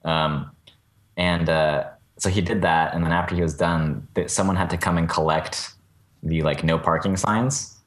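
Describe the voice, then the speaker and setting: A man's voice: low voice, steady tone, normal speed. A man co-hosting a podcast in casual chat, talking hesitantly with fillers. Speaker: podcast co-host.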